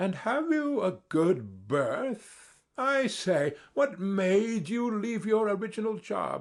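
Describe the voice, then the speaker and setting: In a put-on character voice, a man drawls at a very slow pace with a high pitch and lively intonation, recorded very cleanly over a silent background. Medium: read story. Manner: condescending, drawling.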